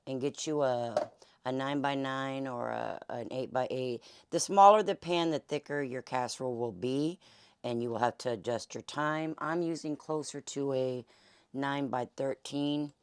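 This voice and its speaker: A woman host with a Southern accent and a hoarse, fading voice, chatting folksily through a home cooking demonstration. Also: a bass voice, normal speed, no room sound, studio quality. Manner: chatty, folksy, many fillers. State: hoarse, losing her voice. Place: home kitchen.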